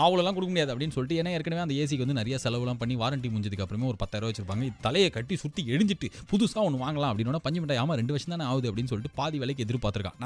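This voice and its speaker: Lively in intonation, a man with an ordinary speaking voice talks at a medium pitch. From Chennai, India. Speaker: radio jockey. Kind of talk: radio show monologue.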